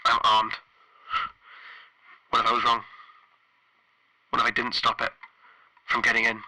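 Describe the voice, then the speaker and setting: A man playing a frightened, stranded spaceship engineer recording an audio log for a horror roleplay, halting and stammering through a radio filter. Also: mid-range voice, monotone, bright, forceful tone, poor audio. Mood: panicked, dread. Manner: halting, stammering, anxious repetitions. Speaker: solo tabletop roleplayer.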